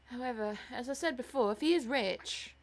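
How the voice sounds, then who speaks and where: A woman's voice: fairly high pitch, moderate pace, pitched above the performer's own voice, natural voice. A woman voicing a faded theatrical mother in an audiobook, self-pitying, snobbish and fretful, with an affected manner. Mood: disapproving, fretful. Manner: affected, melodramatic. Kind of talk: audiobook character voice.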